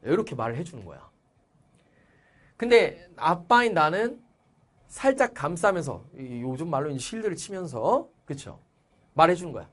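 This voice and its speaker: A man's voice: fairly high pitch, sing-song, moderate pace, long pauses, fairly bright tone. A male teacher giving an exam-prep lecture, explaining a literary passage and checking in with his students. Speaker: Korean-language teacher.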